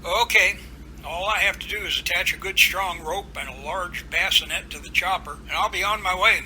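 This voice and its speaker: A man's voice: high-pitched, moderate pace, bright, forceful tone, a little hiss or hum, poor audio. A man in an amateur audio drama playing a frank, inquisitive helicopter rescue pilot in a conversational manner. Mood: willing.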